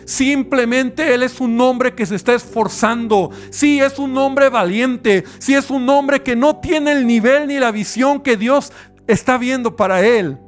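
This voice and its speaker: A man's voice: very high-pitched, a little slow, faint music behind. A man with a Mexican Spanish accent, a pastor preaching a sermon and asking the listener questions as he goes.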